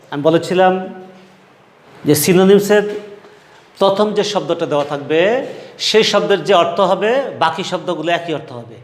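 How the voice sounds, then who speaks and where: A male English teacher from Bangladesh reading out lists of synonyms word by word and explaining them to his students. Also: high voice. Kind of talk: slow vocabulary lesson, reading word lists. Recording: echoey room with long reverb.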